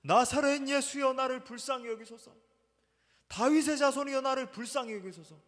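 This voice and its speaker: A pastor voicing a desperate blind beggar man who pleads and cries out loud, in a sermon. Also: high voice, lively intonation, normal speed, long reverb tail.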